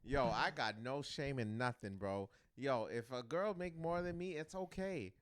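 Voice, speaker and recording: A young man co-hosting a podcast, chatting casually in a loud, excitable and profane way. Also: medium pitch, unhurried, clean tone. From Canada. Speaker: podcast co-host.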